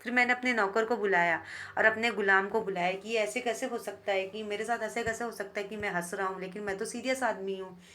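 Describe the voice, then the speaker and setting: A woman teacher reading an English poem slowly line by line, then explaining it in Hindi with frequent restarts. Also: mid-range voice, steady tone, bright, forceful tone.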